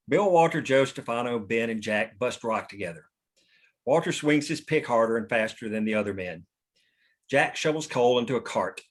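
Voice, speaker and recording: Man narrating script directions. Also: mid-range voice. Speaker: stage-direction reader. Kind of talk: scripted narration at a table read.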